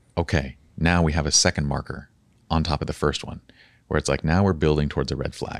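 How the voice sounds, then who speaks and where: A man talks very fast in a very deep, low voice with vocal fry. His intonation stays fairly even. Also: very clean recording, silent background. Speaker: wedding photographer and podcast host. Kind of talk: casual podcast conversation.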